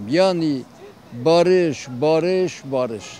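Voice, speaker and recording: A man talks with a high pitch and ordinary pitch movement while noticeable noise sits in the background. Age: 70s. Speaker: street interviewee. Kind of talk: street interview.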